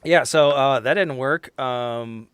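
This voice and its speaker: A man's voice: mid-range voice, slow, fairly bright tone, clear, resonant tone, no echo. A man chatting casually as a player in a tabletop role-playing game podcast.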